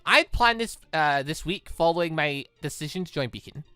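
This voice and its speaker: A man plays a young heiress in a visual novel game, proud and sure of herself. The delivery is grand and superior, with bright, animated pitch and a dry, close sound. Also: brisk, smooth, no echo, faint music behind. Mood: haughty. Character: haughty, self-assured rich young heiress.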